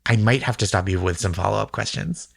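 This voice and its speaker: Male co-host. Deep register with vocal fry, appreciative casual chat, recorded close and dry. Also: fast talker, no room sound. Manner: supportive, appreciative. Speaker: podcast co-host and listener. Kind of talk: casual chat, asking questions.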